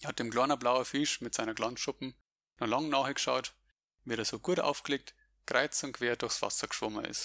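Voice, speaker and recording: A man in a Bavarian accent talks at a medium pitch with fairly even intonation. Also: moderate pace, dry, close sound with no echo. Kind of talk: read story in Bavarian dialect.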